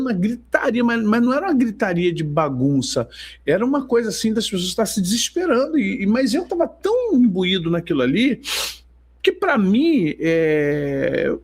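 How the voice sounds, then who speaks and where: A man's voice: high-pitched, a little mellow, slightly rough. A man, worship leader and preacher, telling a testimony in an emphatic, storytelling way and acting out the dialogue. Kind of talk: sermon testimony.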